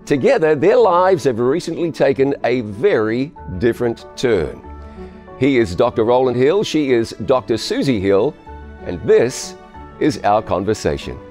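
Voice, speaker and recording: A man hosting a television interview, speaking in a measured, polished broadcast manner in a studio. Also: medium pitch, big pitch swings, a little mellow, faint music behind. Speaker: host. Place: studio set.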